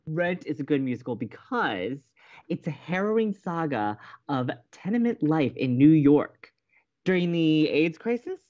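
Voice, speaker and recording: A teasing, very animated college co-host. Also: male voice, fairly high pitch, measured pace, dull audio. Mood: playful, teasing. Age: young adult. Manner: teasing, mischievous. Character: playful, teasing young male college radio co-host. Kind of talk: audio drama acting, light banter.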